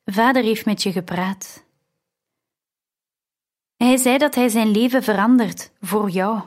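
A patient, earnest young man speaks gently but firmly, as a woman narrator reads him. The delivery is unhurried and drawn out, in the plain voice of an audiobook reader. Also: a little high. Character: calm earnest young man, devout brother.

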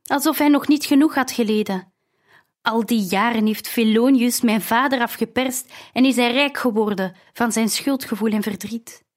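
A woman voicing a grieving young man in an audiobook, who shouts quickly in a wild rage. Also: fairly high pitch. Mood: furious.

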